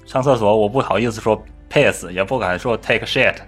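A man telling a travel story in a casual podcast chat, animated and fond of mimicking voices. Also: fairly low pitch, moderate pace, breathy edge, faint music behind.

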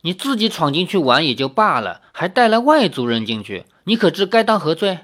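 A man's voice: fairly high pitch, sing-song, a little fast, fairly bright tone. Cold, strict tribal woman enforcer, scolding; male narrator puts her on.

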